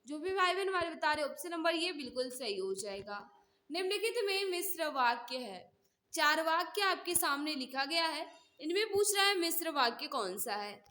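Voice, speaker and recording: High, bright woman teaching. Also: sing-song, normal speed. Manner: repeats questions and answers, prompts listeners to answer. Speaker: teacher hosting an online exam-prep class. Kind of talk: mock-test quiz lesson, reading questions and explaining answers.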